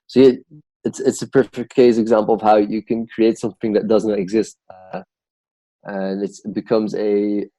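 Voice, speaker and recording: Dutch guy w/ a bit of british in his accent, low dark voice, rambly, lotta "like"s. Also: level tone, moderate pace, dry recording, poor audio. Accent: Dutch with some British English. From Netherlands. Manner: rambling, heavy use of "like". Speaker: podcast guest, hypnotist. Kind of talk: casual conversation.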